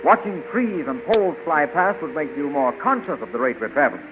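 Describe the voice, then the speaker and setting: Brave space hero, noisy 1930s radio. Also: male voice, a little high, big pitch swings, brisk, highs cut off. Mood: confident. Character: brave young male space hero, ardent and protective. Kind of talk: 1930s radio serial acting.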